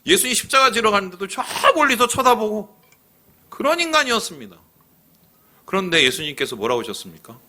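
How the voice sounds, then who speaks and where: A pastor is preaching in a church. His voice is higher than most men's and bright, and his pitch rises and falls widely. He talks like everyday conversation, lively and familiar, and plays out the people he quotes in the voice of each. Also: a little fast. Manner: colloquial, animated, acts out quoted speakers; leads the congregation in reading aloud. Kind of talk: sermon. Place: church sanctuary.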